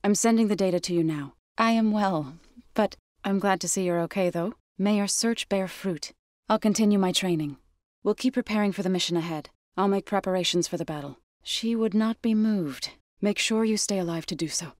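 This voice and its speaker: A woman's voice: medium pitch, darkish tone, no echo, natural voice. Zo, earnest tribal warrior woman played by an actress, dry sound. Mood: calm, friendly. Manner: measured, formal, earnest phrasing. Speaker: video game voice actor. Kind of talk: game character voice lines.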